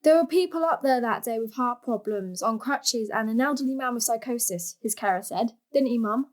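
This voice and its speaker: A woman's voice: on the high side, moderate pace, close to an everyday voice. A woman acting a guileless young adult daughter in a stage drama, plaintive, naive and easily annoyed. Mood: earnest. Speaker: stage actor. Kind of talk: dramatic dialogue in a play.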